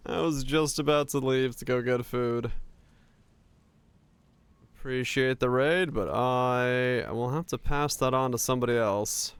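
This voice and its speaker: A relaxed man chats casually while streaming, his voice coming through livestream headset audio. The sound is close and dry, with a smooth, clean tone. He laughs easily and lets his sentences trail off with fillers. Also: mid-range voice, unhurried, long pauses, no echo. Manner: laid-back, chatty, laughs often, trails off with fillers. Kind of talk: casual gameplay chat.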